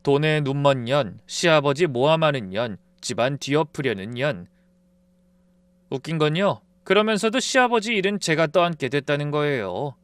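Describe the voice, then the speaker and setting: A male narrator tells a first-person family drama in a calm, confiding way. His voice is smooth and resonant, with a lively pitch that rises and falls. It sits somewhat high and sounds dry and close. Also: normal speed, no room sound.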